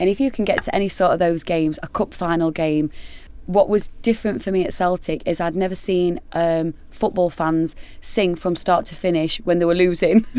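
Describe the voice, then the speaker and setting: With a Nottingham accent, a woman talks at a moderate pace. Her fairly low pitch carries a dark, mellow tone. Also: ordinary pitch variation. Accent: broad Nottingham. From Nottingham, England. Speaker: footballer's wife and charity ambassador. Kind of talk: interview. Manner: animated.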